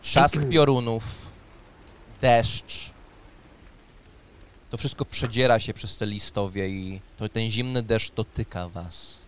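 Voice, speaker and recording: A man's voice: fairly low pitch, takes it slowly, pauses often, clean tone. A man in his thirties narrating as game master and giving rulings in a tabletop role-playing session. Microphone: studio mic on a boom arm, close.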